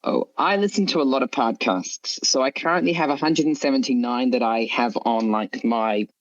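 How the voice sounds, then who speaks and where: A man's voice: medium pitch, normal speed, no echo, lo-fi sound. A man speaking as an author being interviewed, chatting casually in a rambling, hedging way. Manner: rambling, hedging with frequent "you know" and "like". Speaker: interview guest, horror story author.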